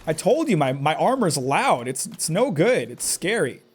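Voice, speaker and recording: Highish and breathy, this man's voice is very animated at a moderate pace. He streams his game live, stressed out, muttering to himself and lashing out at enemies with curses and jumpy outbursts.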